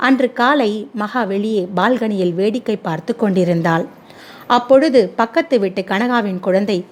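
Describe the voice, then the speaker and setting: A woman narrating a family short story in a calm, steady reading voice. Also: mid-range voice.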